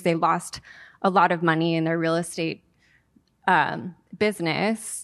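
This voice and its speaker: Against a quiet background, a woman with a Californian accent speaks at a fairly low pitch. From San Diego, US-Mexico border. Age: young. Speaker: journalist and author. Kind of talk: panel interview. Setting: stage with audience.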